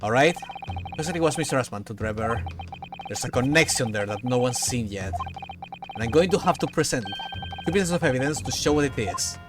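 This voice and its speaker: A man's voice: mid-range voice, animated, fairly quick. Jokey, swearing male streamer. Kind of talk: casual stream chat. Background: game music.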